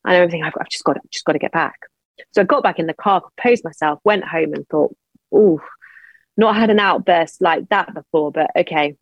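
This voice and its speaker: A woman's voice: no echo, lo-fi sound. English woman guest, 30s, raw personal storytelling, dry close sound. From England. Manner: emotional, quick bursts of speech rising high when angry.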